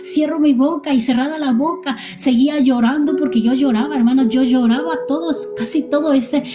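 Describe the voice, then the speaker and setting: A woman's voice: sits high, fairly quick, music in the background. A woman giving an emotional church testimony, repeating phrases and addressing her listeners as brothers and sisters.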